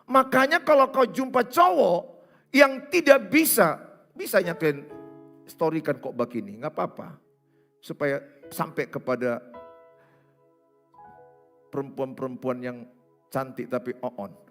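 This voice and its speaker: A male pastor, preaching a sermon in an animated, teasing way and acting out little scenes. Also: a little high, measured pace, gravelly, pauses often, soft background music. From Indonesia. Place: church service.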